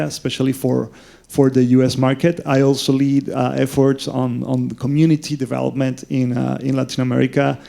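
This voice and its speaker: Panelist, Venezuelan-accented man, gravelly voice, halting with lots of uhs. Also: medium pitch, warm tone. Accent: Venezuelan Spanish. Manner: hesitant, many fillers and repeated words. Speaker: panelist, game studio founder. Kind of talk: conference panel talk.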